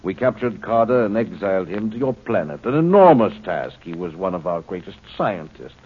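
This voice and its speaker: An actor playing a cold, condescending alien being of pure energy, speaking formally with smug, mocking precision in a 1950s radio drama. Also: male voice, sits low, very animated, moderate pace. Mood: detached, amused. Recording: muffled, noisy 1950s radio recording.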